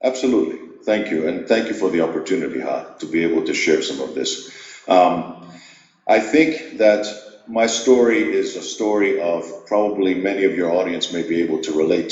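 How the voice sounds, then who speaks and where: Man, middle-aged, from Greece, very low voice, measured storytelling, echoey room. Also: highs cut off. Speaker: executive coach. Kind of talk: interview storytelling.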